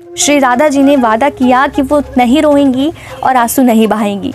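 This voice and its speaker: The voice has ordinary pitch variation and very even loudness. Music is heard in the background. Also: woman, high pitch for a woman. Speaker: voiceover artist. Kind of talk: narration of a religious story.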